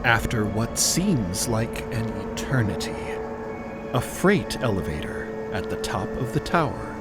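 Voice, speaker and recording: A man reading scripted dramatic narration in a measured, descriptive storytelling manner. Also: medium pitch, big pitch swings. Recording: loud music under the voice. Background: loud music bed.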